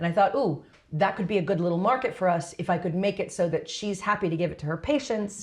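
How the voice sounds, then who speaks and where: A woman with an American accent speaks at a very fast pace in a somewhat breathy, medium-pitched voice with ordinary pitch variation. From US, San Francisco. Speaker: business founder. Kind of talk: interview.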